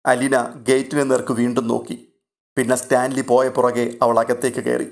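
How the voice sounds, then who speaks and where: Male narrator for a spoken novel, steady and measured. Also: mid-range voice, creaky.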